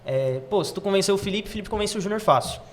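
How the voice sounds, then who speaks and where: Young male guest, high voice, rapid and animated. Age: young adult. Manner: fast, animated, uses slang fillers like "cara". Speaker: son in the family business, guest. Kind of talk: casual interview talk.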